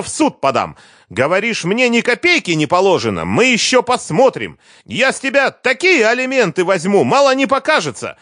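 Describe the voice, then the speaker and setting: A shrill, furious ex-wife in an audiobook, her voice pushed far up and swinging wildly as she screams accusations. The reading sounds dry and close, with no room around it. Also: pushed and bright, no echo, exaggerated voice. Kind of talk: audiobook character voice.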